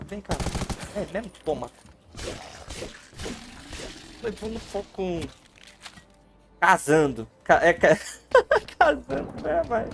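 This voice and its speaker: A man's voice: sits high, vocal fry, fairly bright tone. A man with a Brazilian Portuguese accent, giving playful, joking gameplay commentary on a livestream and talking to his chat. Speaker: game streamer.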